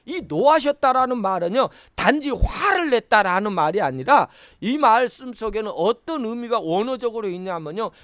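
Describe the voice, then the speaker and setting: A woman's voice: on the high side, animated, moderate pace, few pauses, dry recording, studio quality. A woman pastor preaching a sermon in a small church, emphatic and repetitive, asking the congregation questions and answering them herself.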